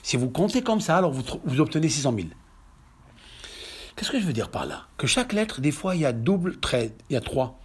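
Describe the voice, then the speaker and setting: A husky, fairly high male voice with a French accent, teaching Torah from the pulpit. He delivers a lecture that swings between soft asides and sudden emphatic bursts, often checking whether his listeners are following. His pitch rises and falls in wide, expressive sweeps. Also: brisk. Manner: asks the audience questions to check understanding. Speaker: rabbi. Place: synagogue hall.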